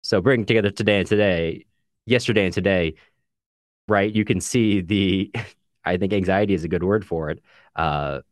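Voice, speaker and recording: A man's voice: low voice, moderate pace, no echo, clean studio sound. A man co-hosting a book discussion podcast in a casual, chatty way, sometimes reading out listener comments. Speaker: podcast co-host.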